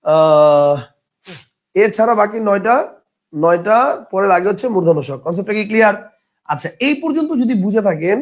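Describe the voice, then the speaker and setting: A young man teaching an online grammar lesson, repeating words slowly and answering his own questions. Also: high-pitched.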